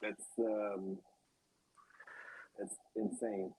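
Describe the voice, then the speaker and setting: A man's voice: on the low side, flat delivery, drawn-out words, dark tone, poor audio. A man co-hosting a casual podcast over a remote call, talking bluntly and swearing, as his connection cuts in and out so that his volume drops and returns unevenly. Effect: remote call audio cutting in and out, uneven volume. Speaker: podcast co-host.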